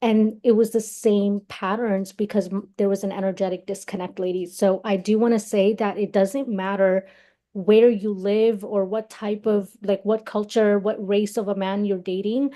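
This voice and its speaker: Young woman from Pakistan, co-host coach, measured webinar delivery, warm voice. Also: medium pitch, little pitch movement. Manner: measured, reflective, personal examples. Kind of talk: live webinar talk.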